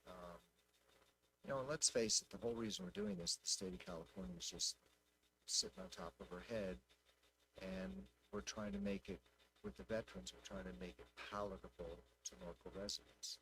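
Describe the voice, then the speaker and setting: A man with a low, creaky voice speaks at an indoor council meeting. His intonation moves up and down a great deal as he thinks out loud in plain, folksy language. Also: wildly swooping pitch, brisk, a little hiss or hum, low-quality recording. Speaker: city council member. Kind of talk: informal remarks and questions at a public meeting.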